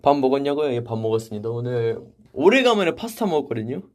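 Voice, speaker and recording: A young man hosting a casual livestream from a vocal practice room, reading viewer comments aloud and answering them in a relaxed, chatty way. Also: mid-range voice, fast talker, a little hiss or hum. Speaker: idol livestream host.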